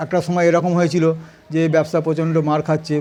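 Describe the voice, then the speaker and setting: A high-pitched man's voice over noticeable background noise. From West Bengal, Hooghly. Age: 60s. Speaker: karate teacher and businessman. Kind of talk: interview.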